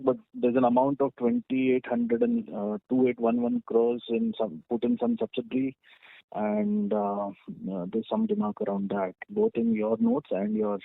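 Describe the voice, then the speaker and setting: A man's voice: high voice, creaky, no room sound. A man with an Indian accent putting questions as an investment analyst on an earnings call over a phone line. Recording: tinny narrowband phone line.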